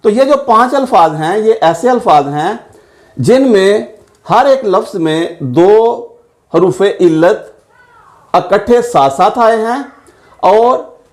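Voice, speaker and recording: Slow, deliberate male grammar teacher. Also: high voice, expressive. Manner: slow, deliberate, spells out words letter by letter and repeats examples. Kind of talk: explanatory grammar lesson.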